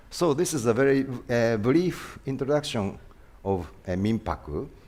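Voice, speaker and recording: The man has a medium pitch and his pitch swings very widely. Audible echo from the room surrounds his voice. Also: moderate pace. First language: Japanese. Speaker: museum researcher, professor. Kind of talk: lecture. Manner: halting.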